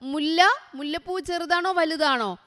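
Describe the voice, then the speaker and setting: A woman teaching young children, quizzing them with short, repeated questions in a slow, clear manner. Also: high voice, pushed and bright, long reverb tail. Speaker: online tutor for first graders. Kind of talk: exam revision lesson for young children.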